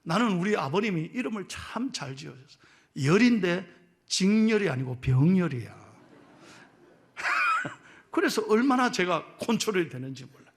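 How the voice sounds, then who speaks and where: A middle-aged male pastor with a Gyeongsang accent, preaching a sermon in a joking, lively way and teasing his congregation. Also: sits high, brisk. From Gyeongsang region of Korea. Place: church sanctuary.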